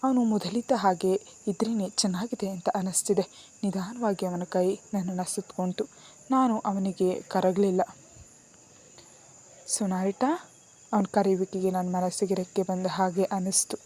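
Woman, story narrator, mellow voice, lifts her voice for dialogue. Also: medium pitch, steady tone, moderate pace. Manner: reads both lovers' lines, rising for quoted dialogue. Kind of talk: first-person story narration.

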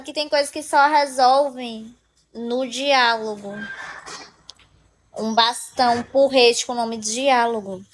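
A young woman hosts her own live stream, chatting and joking with viewers. Her voice sits on the high side, and her talk is playful and chatty, with frequent laughs. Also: a little hiss or hum. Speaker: livestream host.

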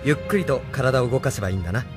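A man's voice: medium pitch, lively intonation, very fast, natural voice. An actor playing a young man new to space, sounding bewildered and earnest. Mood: unsettled. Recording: music bed under the voice.

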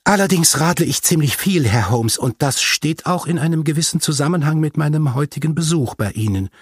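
A male reader plays a determined young lady from a mystery storybook. She speaks politely and frankly. The pitch is lifted, the tone husky and the recording dry. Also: lively intonation, brisk, no room sound. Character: young, determined female music teacher, polite client.

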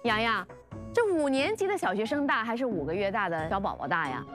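A patient cartoon mother who soothes and coaxes. Her voice is high and lively. Bright cartoon music plays behind her. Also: brisk. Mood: coaxing. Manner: soothing, coaxing, with many soft fillers. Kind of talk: children's cartoon voice acting. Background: cartoon background music.

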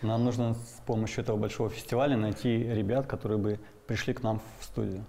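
A man's voice: fairly low pitch, level tone, quick pace, mellow, slight background noise. A young man giving casual answers as a guest in a studio interview. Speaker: guest, animation studio art director. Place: indoor TV studio. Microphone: lapel mic.

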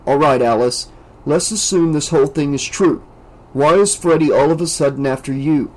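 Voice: medium pitch, moderate pace, darkish tone, close to an everyday voice, low-quality recording. A reader doing an easygoing, doubtful teen boy.

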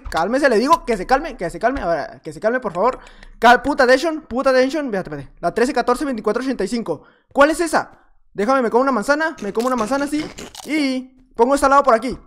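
Excitable Mexican gamer commentating. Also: male voice, very high-pitched. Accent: Mexican Spanish. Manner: jokey, talks to himself, bursts into shouts. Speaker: gaming YouTuber. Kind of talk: excitable Minecraft gameplay commentary.

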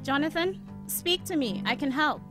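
A woman's voice: sits high, lively intonation, normal speed. A woman playing a caring, probing young student and big sister in an audio drama, with guitar music behind. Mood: concerned.

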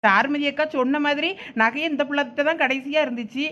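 A woman's voice: high voice, fairly even intonation, quick pace, fairly bright tone. A woman playing a village relative with a Thoothukudi Tamil accent, polite but pointed.

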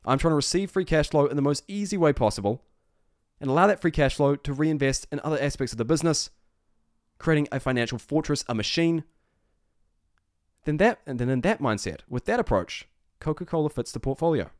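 A man's voice: on the high side, lively intonation, brisk, dry recording. Emphatic man giving stock commentary, dry sound. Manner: emphatic, repeats phrases, rhetorical questions. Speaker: investing video host. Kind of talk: off-the-cuff stock analysis commentary.

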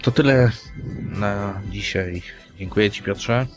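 A man's voice: fairly low pitch, slow. A man from Poland hosting a podcast, presenting in a conversational way. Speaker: podcast host. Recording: clear music under the voice. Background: background music.

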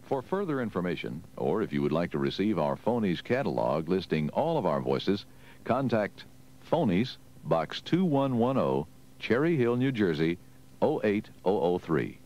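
A man's voice: low-pitched, big pitch swings, moderate pace, darkish tone. A man announcer reading scripted instructional narration.

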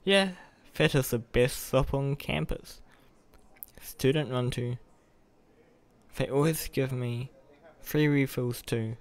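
Speaking slowly with long pauses, a young man in a mid-range voice plays an earnest, awkward college student hiding a superhero identity. The roleplay has a hesitant, friendly, casual feel.

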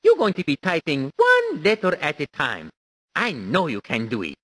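A woman's voice: low voice, wildly swooping pitch, normal speed, fairly bright tone, husky, no echo, heavily acted. A woman voicing a cheerful adult male Italian plumber hero in a video game, with an exaggerated Italian accent and a playful, exclamatory manner.

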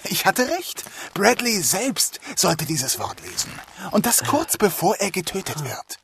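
A man's voice: sits high, wildly swooping pitch, unhurried, gravelly, a crowd in the background, full character voice. An actor playing a dry, sardonic male detective inspector in a German crime audio drama. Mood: intent. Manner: teasing, ironic.

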